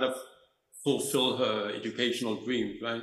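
A man with a Danish accent talks at a fairly quick pace and a medium pitch. Audible room echo surrounds his voice. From Denmark. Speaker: film director. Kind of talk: interview.

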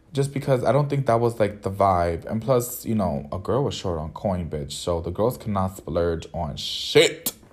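Over noticeable background noise, a man speaks at a moderate pace in a fairly low pitch, with very wide pitch swings, an animated tone and hardly any pauses. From Brooklyn, New York. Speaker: podcast host. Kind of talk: casual solo monologue.

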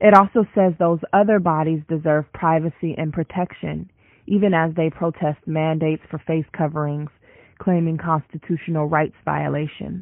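With an American accent, a woman speaks at a moderate pace in a very deep, low pitch with fairly even intonation. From Oakland, California. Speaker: writer and educator. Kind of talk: reading aloud own essay.

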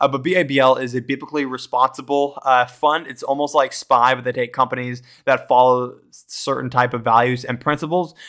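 In a very clean recording with a silent background, a man speaks at a fairly quick pace with hardly any pauses. His medium-pitched voice is monotone, with flat intonation. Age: 20s. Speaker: stock trading youtuber. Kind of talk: tutorial. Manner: halting.

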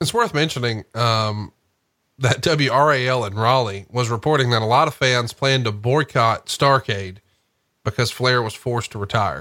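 The man's voice sits at a medium pitch and has a bright, sharp tone. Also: ordinary pitch variation, very clean recording, silent background. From Alabama. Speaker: wrestling podcast co-host. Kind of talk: comedic wrestling promo parody, profane mock infomercial. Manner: loud, fast, over-the-top, sarcastic.

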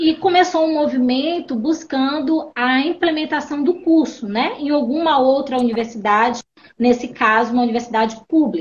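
This woman talks at a moderate pace in a high pitch, with ordinary pitch variation. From Belém do Pará, northern Brazil. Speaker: occupational therapist and course lecturer. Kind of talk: casual interview.

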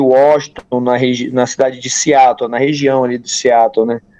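A man's medium-pitched voice, dark and mellow in tone, with monotone, flat intonation. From Brasília, Brazil. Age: 40s. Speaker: ocean canoeing athlete. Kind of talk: casual chat. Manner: halting.

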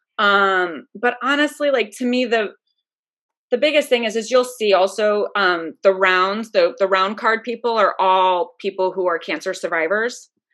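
A plain, everyday voice talks at a moderate pace with ordinary pitch variation. The background is quiet. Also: woman, medium pitch for a woman. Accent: American. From Chicago, US Midwest. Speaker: flight attendant and amateur boxer. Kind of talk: casual interview chat.

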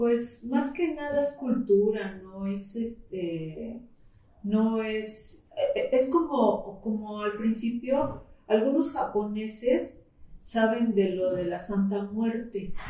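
A woman with a fairly high pitch speaks at a very slow pace, with ordinary pitch variation. Her voice carries an audible room echo. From northern Mexico, Monterrey, raised partly in Mexico City. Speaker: makeup artist and dance group director. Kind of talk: casual interview.

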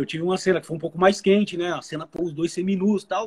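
This is a man. His pitch is high. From Brazil, interior of São Paulo state (Indaiatuba). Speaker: stunt performer and action actor. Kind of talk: casual interview.

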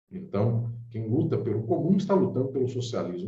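Somewhat breathy with a dark, mellow tone, a man at a medium pitch uses lively intonation at a moderate pace. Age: 40s. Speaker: law professor and author. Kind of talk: lecture. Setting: online event. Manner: formal.

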